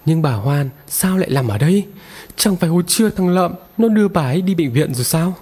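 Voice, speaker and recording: A man doing a frantic, shrill village wife. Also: lively intonation, a little fast, warm tone, husky. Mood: panicked. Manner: shrill, panicky and pleading. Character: frantic frightened middle-aged village wife. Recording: long reverb.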